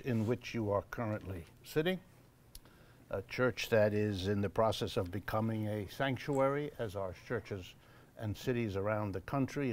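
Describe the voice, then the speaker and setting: A man hosting a live event in a church hall, making announcements to the audience in a measured, wry way with frequent pauses and fillers. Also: on the low side, a little mellow. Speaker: host of a monthly lecture event.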